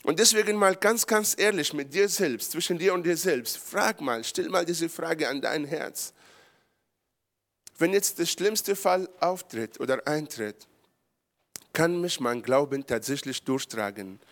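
Impassioned preacher with an Israeli origin. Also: male voice, a little high, lively intonation, measured pace. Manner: impassioned, builds to loud emphatic peaks; non-native German with grammar slips. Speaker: pastor. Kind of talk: charismatic sermon.

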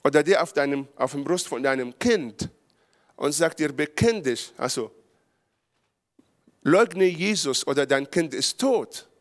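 Impassioned preacher with an Israeli origin. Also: male voice, on the high side, expressive, unhurried, pauses often. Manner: impassioned, builds to loud emphatic peaks; non-native German with grammar slips. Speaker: pastor. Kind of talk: charismatic sermon.

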